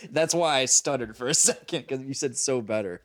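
A man's voice: medium pitch, fairly quick, fairly bright tone. A young man co-hosting a podcast, teasing playfully and laughing often. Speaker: podcast co-host. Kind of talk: casual podcast banter.

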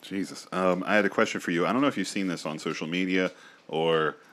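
A man in his thirties co-hosting a podcast, chatting casually with crude, animated storytelling. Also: low voice, fast. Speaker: podcast co-host.

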